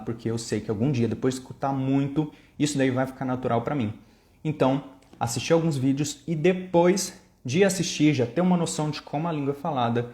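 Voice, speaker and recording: A man's voice: medium pitch, warm tone. Brazilian male vlogger, Brazilian Portuguese accent, casual and explanatory, echoey room. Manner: chatty, explains step by step with examples. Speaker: language-learning vlogger.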